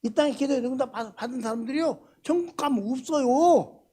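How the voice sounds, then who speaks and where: An older man preaching a sermon in a church at a Friday service. He talks emphatically, shifting from loud exclamations to hushed asides and firing rhetorical questions at the congregation. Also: extremely high pitch, brisk, breathy edge. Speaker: senior pastor.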